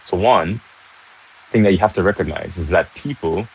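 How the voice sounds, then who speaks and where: A young Jamaican man with a low, slightly rough voice and a Jamaican accent hosts a casual livestream from a relaxed home setting in Jamaica, teaching as he chats at a normal speed. He keeps tacking "right?" onto his sentences and greets viewers mid-talk. The recording quality is low.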